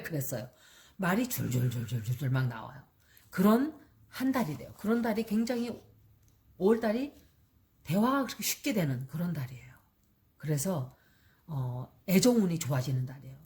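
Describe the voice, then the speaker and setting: A woman's voice: fairly low pitch, darkish tone. A woman astrologer giving casual spoken horoscope advice, chatty and repetitive, mixing in English terms and acting out short example dialogues. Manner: mixes English terms into her talk. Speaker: astrologer and tarot reader.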